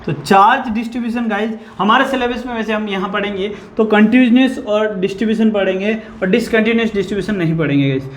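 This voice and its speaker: A man's voice: high voice, fast talker, few pauses. A man teaching a physics lesson. He keeps putting questions to the class, answers them himself, and says "guys" all the time. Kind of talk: whiteboard lecture. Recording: echoey room.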